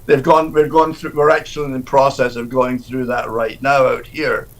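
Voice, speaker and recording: Man, deacon, interview answers, halting, restarts a lot, mid-pitched voice. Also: little pitch movement. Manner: halting, many restarts and repeated words.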